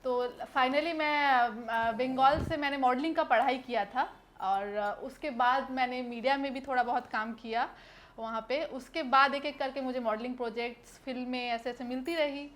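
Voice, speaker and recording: A woman's voice: sits high, moderate pace, fairly bright tone. A young woman from Kolkata, an actress answering interview questions in a chatty way with hesitant fillers and English phrases mixed in. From Kolkata, West Bengal, India.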